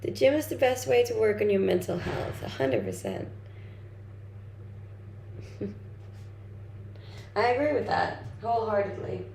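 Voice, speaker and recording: On a livestream, a young content creator from Denmark, a native Danish speaker, casually reads viewer comments aloud and answers them. She's medium-pitched, very animated, gravelly and darkish, speaking slowly with long pauses. The recording carries a roomy echo and slight background noise.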